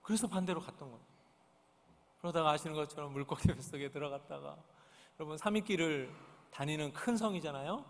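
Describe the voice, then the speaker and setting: A man's voice: fairly high pitch, fast. A male pastor preaching a sermon in a church sanctuary. He speaks earnestly and keeps posing questions to his congregation. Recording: long church reverb. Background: congregation present.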